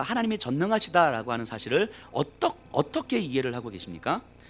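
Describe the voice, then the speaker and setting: Music plays in the background as a man talks at a fairly quick pace. His pitch swings very widely. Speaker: pastor. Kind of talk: sermon. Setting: church. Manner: fast.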